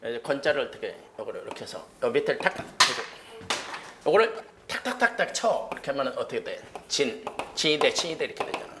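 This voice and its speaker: Lively male exam lecturer quizzing his class. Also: mid-range voice, noisy background. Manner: animated, keeps asking the class quick questions; jokey memory tricks, punchy rising "예?" checks. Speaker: history lecturer. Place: lecture room of a cram school.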